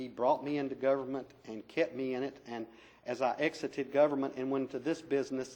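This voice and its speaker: With a North Carolina accent, the speaker talks in a monotone, flat intonation. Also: man. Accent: US Southern (North Carolina). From North Carolina, Iredell County. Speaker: financial advisor. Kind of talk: formal presentation. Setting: town council meeting.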